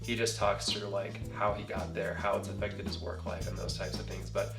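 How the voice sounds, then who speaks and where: Co-host: American man, low voice, easygoing chat, off-mic in an echoey room with music under him. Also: normal speed, gravelly. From United States. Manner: relaxed, chatty, laughs easily. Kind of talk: casual chat. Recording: roomy distant sound with background music.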